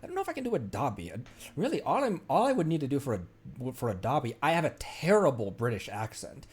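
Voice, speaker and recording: A man's voice: mid-range voice, huge pitch swings, quick pace, husky. Tired, self-mocking male streamer. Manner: self-deprecating, laughs often. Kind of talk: casual live-stream chat.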